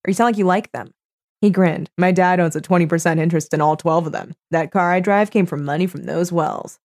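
A woman's voice: fairly low pitch, brisk, darkish tone. A woman co-hosting a podcast in casual chat, reading book passages aloud with playful emphasis. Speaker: podcast co-host. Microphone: studio microphone.

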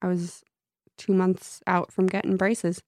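A woman's voice: on the low side, level tone, measured pace, a little mellow, no room sound, studio quality. A woman with a slight Midwestern accent co-hosting a podcast in casual chat, laughing often and playing with word sounds, a faint whistle from her braces. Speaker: podcast co-host. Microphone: studio microphone.

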